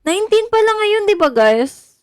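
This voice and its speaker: A woman's voice: very high-pitched, very animated, moderate pace, no room sound, clean studio sound. A young woman from Bulacan in the Philippines, chatting casually on a phone livestream and thanking her viewers by name. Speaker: idol livestreamer.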